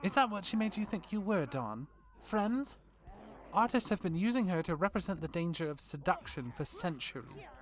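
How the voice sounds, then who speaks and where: A woman's voice: fairly low pitch, very animated, normal speed, a little hiss or hum. A woman playing a smug, imperious ancient vampire villain in an audio drama, mocking and theatrical. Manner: mocking, theatrical, given to monologuing.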